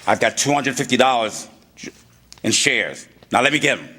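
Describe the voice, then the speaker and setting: Pushy small-town man in a radio play, forceful voice, bit of noise. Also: medium pitch, animated, moderate pace. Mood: indignant. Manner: insistent, blunt. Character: stubborn, demanding small-town man fretting over his money. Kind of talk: staged 1940s radio drama acting.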